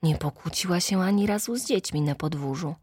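A woman voicing a mother who speaks quickly and softly, in a children's storybook reading. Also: on the low side, husky, no echo, clean studio sound. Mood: relieved. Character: mother, gently surprised and relieved.

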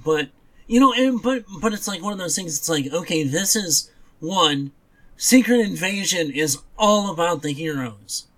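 A man with a noticeably high voice talks as a podcast co-host. His delivery is casual and conversational, and he leans on his points, restating them for emphasis. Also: lively intonation, normal speed, fairly bright tone, low-quality recording. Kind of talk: casual chat reviewing superhero TV.

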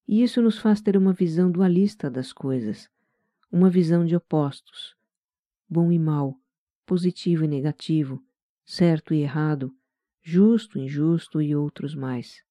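Very dark, mellow guided meditation voice. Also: mid-range voice, normal speed, no room sound, studio quality. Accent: Brazilian. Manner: gentle, calm, soft-spoken. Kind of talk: guided meditation, soothing scripted narration.

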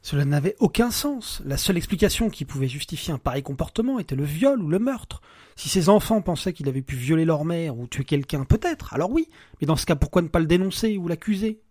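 Man, narrator, dark short story reading, measured and dramatic, slightly high voice, dry close recording. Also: expressive, no echo.

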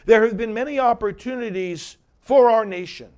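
A man speaking as a Catholic priest, solemnly reading scripture and preaching in an earnest, declamatory manner with deliberate phrasing. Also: extremely high pitch, darkish tone, smooth.

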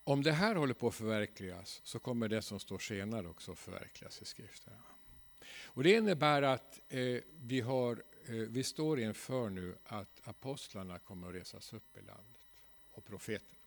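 A man's voice: lowish voice, animated, creaky. A Swedish man preaching a church seminar in a folksy, ironic way, often tagging his sentences with a questioning "va?". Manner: folksy, ironic, frequent tag "va?". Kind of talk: seminar sermon. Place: church hall.

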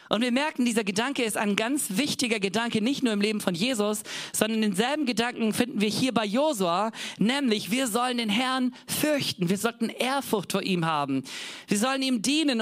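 A man's voice: sits high, fairly bright tone. A man preaching a sermon to his congregation, speaking with passion and emphasis and often asking them rhetorical questions.

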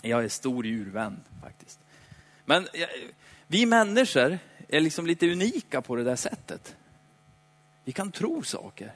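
Male preacher, conversational sermon, playful asides, dramatic slow emphasis, long hall reverb. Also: a little high, sing-song, fairly bright tone. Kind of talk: lively sermon.

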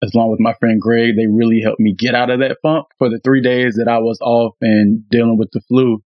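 A man co-hosting a podcast, voice raspy after the flu, speaking in an earnest, reflective casual chat. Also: mid-range voice, little pitch movement, fairly quick, no echo, muffled recording. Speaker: podcast co-host and audio engineer.

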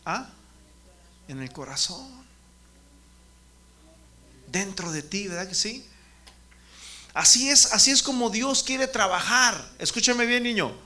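A man's voice: sits high, animated, slow pace, long pauses, pushed and bright. A man giving a children's sermon, often stopping to question the kids by name. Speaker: children's ministry preacher.

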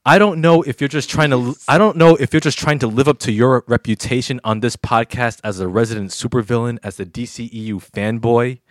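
A man's voice: mid-range voice, fairly quick, hardly any pauses, dry recording, studio quality. A male podcast co-host in casual banter who teases and boasts and stammers when worked up.

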